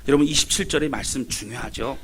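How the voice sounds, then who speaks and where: A man's voice: medium pitch, quick pace, a bit bright, a little hiss or hum. A male pastor from Seoul preaching a sermon, emphatic and speaking straight to his congregation. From Seoul, Korea. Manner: emphatic, addressing the congregation directly.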